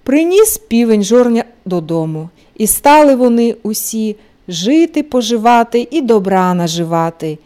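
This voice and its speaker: A woman telling a fairy tale to small children at bedtime, in a lively, singsong storyteller's way. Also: fairly high pitch, measured pace.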